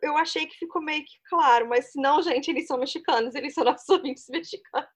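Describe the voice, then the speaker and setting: Woman podcast co-host, quick and chatty, slightly high voice. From Brazil. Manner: chatty, laughs often, fast-talking. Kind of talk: casual chat.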